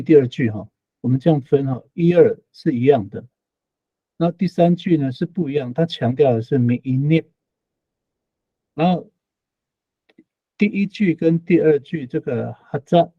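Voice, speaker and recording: A man's voice: mid-range voice, husky, dry recording, lo-fi sound. A man teaching an online language class, explaining patiently, repeating phrases and ending sentences with tag particles.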